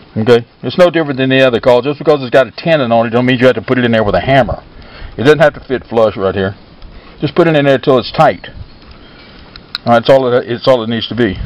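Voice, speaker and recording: Over noticeable background noise, a man talks at a very fast pace with ordinary pitch variation. Long pauses come often. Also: medium pitch for a man. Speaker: goose call maker demonstrating calls. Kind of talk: tutorial. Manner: casual.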